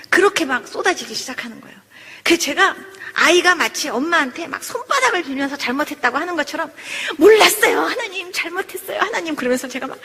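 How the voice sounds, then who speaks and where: High-voiced woman giving an emotional testimony. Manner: animated storytelling, acts out quoted dialogue, voice rises into pleading. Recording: long hall reverb.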